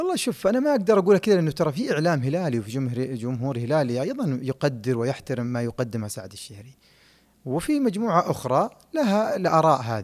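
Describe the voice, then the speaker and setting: Big swings in loudness and very wide pitch swings from a man with a fairly high voice, at a moderate pace. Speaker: football coach. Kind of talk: interview.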